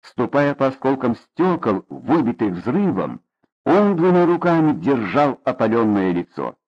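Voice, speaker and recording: A man's voice: mid-range voice, big pitch swings, measured pace. A man narrating a novel as an audiobook reader, reading expressively, on a dull lo-fi recording. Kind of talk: scripted narration.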